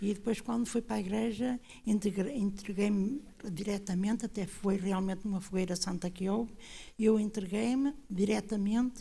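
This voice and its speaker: Her voice is dark, mellow and somewhat breathy, with medium pitch and fairly even intonation from this woman. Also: moderate pace. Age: 60s. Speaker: church member giving testimony. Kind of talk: testimony.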